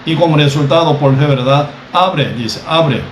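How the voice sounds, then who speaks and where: A male preacher delivers a measured sermon, speaking with a slightly higher-than-usual voice. He keeps checking in with his listeners as he teaches. The recording sounds roomy and echoey, with faint ambient noise behind him. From Costa Rica. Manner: measured, repeats "¿verdad?" often.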